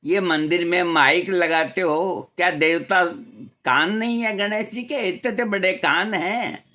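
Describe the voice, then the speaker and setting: A man's voice: high-pitched, unhurried, pushed and bright. An older man giving a preachy, scolding talk with rhetorical questions, as a homeopathy vlogger. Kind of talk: moral talk to camera.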